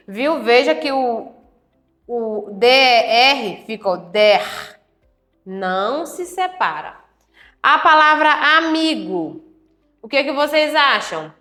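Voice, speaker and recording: A woman teacher with a fairly high voice speaks very slowly, sounding out each syllable and checking in with her students. She is recorded in an echoey room with faint music behind her. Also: pushed and bright. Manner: slow, clearly syllabled, encouraging questions to students. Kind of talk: slow classroom lesson for adult learners.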